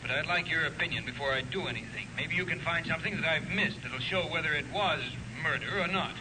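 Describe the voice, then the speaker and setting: An actor playing an earnest, measured family doctor in a 1940s radio drama. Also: male voice, a little high, natural voice. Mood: concerned. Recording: noisy 1940s radio recording.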